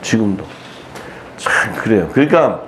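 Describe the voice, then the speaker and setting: A man's voice: lowish voice, unhurried, slight background noise. Guy preaching casually, super chatty, room echo all over it. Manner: chatty, animated, acts out quotes in a raised voice. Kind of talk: conversational sermon seminar.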